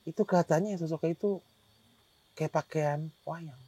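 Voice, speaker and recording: A man tells his story in a casual interview, often restarting sentences and acting out what others said. His voice sits a little high and sounds husky. The recording is dry, with no room sound. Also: a little slow, mellow, no echo. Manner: rambling, with many restarts and acted-out quotes. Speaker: hiker telling his experience as a guest.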